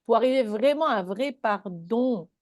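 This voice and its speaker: A woman's voice: fairly high pitch, lively intonation, normal speed, a little mellow, no room sound, clean studio sound. A woman giving a live spiritual talk to a small online group, speaking conversationally and checking in with her listeners.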